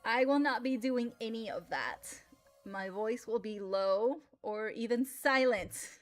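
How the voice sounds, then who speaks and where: Young adult woman streamer, loud and laughy, slightly high voice, unhurried delivery, soft music underneath. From Latin America. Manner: loud, laughs often, animated. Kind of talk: casual livestream chat.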